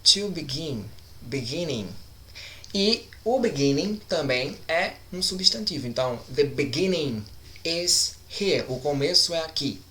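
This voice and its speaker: A man teaching English grammar in a recorded online lesson, explaining slowly and deliberately and often checking in with his students. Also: fairly high pitch, animated, sharp tone. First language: Portuguese.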